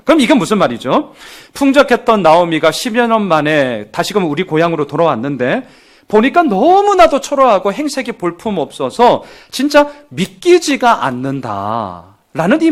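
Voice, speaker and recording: A man preaching a sermon as pastor to his congregation, animated and acting out the voices of townspeople as he goes. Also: high-pitched. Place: church sanctuary with congregation.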